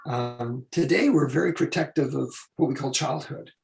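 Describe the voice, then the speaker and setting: Gravelly man losing his voice. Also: medium pitch, moderate pace, a little mellow. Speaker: illustrator panelist. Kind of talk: casual panel talk.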